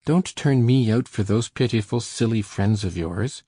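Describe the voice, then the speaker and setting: A woman reading aloud, voicing a sullen, resentful teenage farm boy in a low, gruff voice. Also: moderate pace, warm tone, no echo, clean studio sound.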